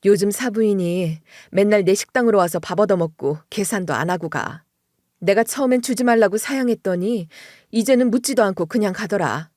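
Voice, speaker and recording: A woman voicing a gentle, weary middle-aged mother who speaks softly and with resignation. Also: medium pitch, lively intonation, brisk, dry recording, clean studio sound, lightly acted. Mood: resigned. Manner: soft, resigned.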